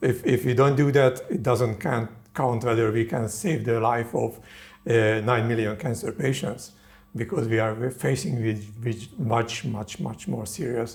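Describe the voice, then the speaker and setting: Somewhat breathy and fairly slow, a man speaks at a medium pitch with ordinary pitch variation. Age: 60s. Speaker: research scientist. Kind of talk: interview. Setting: on location in a lab facility. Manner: halting.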